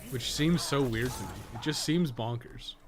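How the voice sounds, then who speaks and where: At a normal speed and in a mid-range voice, this guide maker streams a game while thinking aloud, cursing, and sharing frank opinions in rambling commentary. Background noise is clearly audible.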